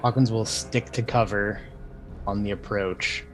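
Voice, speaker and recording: Low-voiced guy at a tabletop game working out a plan, music playing loud behind. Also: fairly even intonation, measured pace. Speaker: player. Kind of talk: tabletop role-play chat.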